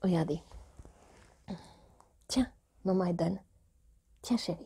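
A woman's voice: fairly low pitch, takes it slowly, vocal fry, mellow, slightly rough. A woman vlogger chatting casually to her viewers in a rambling way, now and then talking to her cat. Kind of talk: casual chat to camera.

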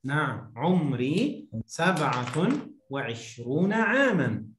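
A man teaching a beginner language lesson over a video call, enunciating deliberately, prompting and repeating. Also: on the high side, lively intonation, fairly bright tone, slight background noise. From Egypt. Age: 30s. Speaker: Arabic teacher. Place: small indoor room, video call. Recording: roomy echoing online-call sound.

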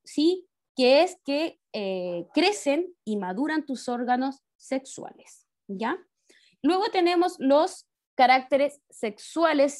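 A woman's voice: high voice, darkish tone. A woman teaching science in an online class with a Chilean accent, explaining step by step and checking in with tag questions after each point. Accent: Chilean Spanish. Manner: speaks to the pupils as kids. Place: home, on a video call. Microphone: laptop mic on a video call.

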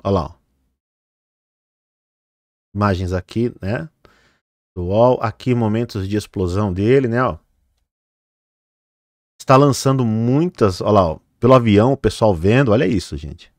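A man's voice: on the low side, unhurried, long pauses, darkish tone, dry recording, studio quality. Chatty man commenting over news footage. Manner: chatty, fillers like "né" and "olha, gente"; trips over hard names. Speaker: vlogger.

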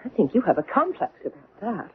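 A poised woman in her thirties speaks politely but warily in an old radio drama. Her mid-pitched voice swings widely in tone, heard through a thin, tinny broadcast. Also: big pitch swings, brisk, slightly rough. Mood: wary. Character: poised well-spoken woman in her thirties, wary and unsettled. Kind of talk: 1970s radio drama acting.

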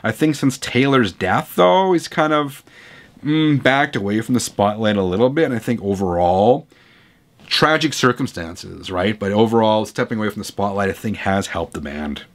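A man in his forties with a voice hoarse from a cold, hosting a vinyl channel and chatting opinionatedly through viewer comments from his home record room. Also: on the low side, lively intonation, moderate pace. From Canada. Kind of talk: casual reading of viewer comments. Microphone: camera close up at desk.

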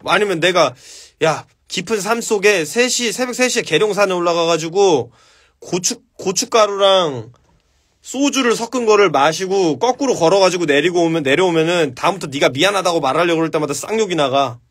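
A man's voice: high voice, lively intonation, fairly quick, fairly bright tone, husky. A man hosting a casual live stream, answering viewer questions with blunt, profane advice.

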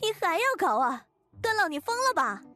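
Casting: flustered young female hospital worker played by a woman, audiobook drama, very high lively voice, agitated, music behind. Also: fairly quick, full character voice. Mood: panicked. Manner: agitated, stammering, exclamatory. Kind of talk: Chinese audiobook drama acting.

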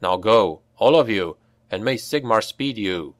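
A man's voice: on the low side, expressive, unhurried, no room sound. A man voicing a commanding middle-aged male fort commander issuing orders.

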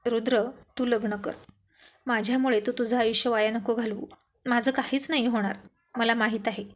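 An insistent, caring older sister from a storybook, voiced by a woman narrator. She asks question after question in a slightly high voice. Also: steady tone, moderate pace, lightly acted. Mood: sad.

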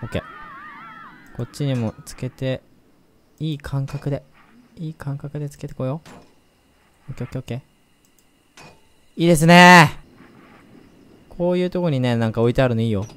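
A man giving let's play commentary, chatty and excitable, talking straight to his viewers and breaking into loud whoops. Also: medium pitch, moderate pace, long pauses. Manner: chatty, speaks to viewers directly. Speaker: game commentator.

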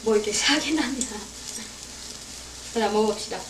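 A woman's voice: a little high, normal speed, distant mic, background noise. Chatty woman cooking in an echoey kitchen. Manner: playful, talks to herself while cooking, giggly. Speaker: cooking vlogger. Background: frying and sizzling food.

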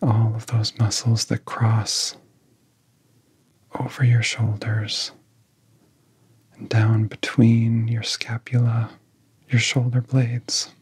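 A man guiding a relaxation in soft-spoken ASMR style, with a soft, whispery voice and gentle, soothing phrasing broken by long pauses. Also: mid-range voice, completely flat delivery, no room sound. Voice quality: soft, breathy, often whispery. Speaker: ASMR hypnosis guide.

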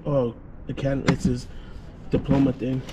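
A man in his thirties vlogging outdoors at a storage lot, joking and excited as he digs through bins. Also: mid-range voice, moderate pace, heavy background noise. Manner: excitable, joking, talks to camera. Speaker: storage unit buyer. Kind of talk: casual vlog while unboxing. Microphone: camera mic, handheld close.

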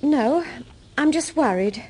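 An actress playing a worried, evasive young nightclub hostess in a radio drama, with a British accent. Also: female voice, sits high, expressive, slow pace, a little mellow, slight background noise. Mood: guarded, worried.

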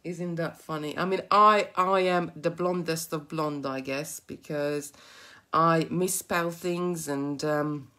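A woman's voice: deep voice, steady tone, slow, bright, forceful tone. A middle-aged woman with a Hungarian accent, chatting giggly and rambling while teaching jewellery making on a live stream. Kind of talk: live beading tutorial. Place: indoor craft table.

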